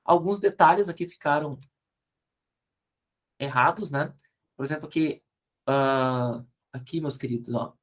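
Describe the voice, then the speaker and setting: A man with a Brazilian Portuguese accent teaching an online grammar lesson, explaining rules patiently and checking in with frequent tag questions. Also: fairly high pitch. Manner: spells out letters slowly, corrects slide errors aloud.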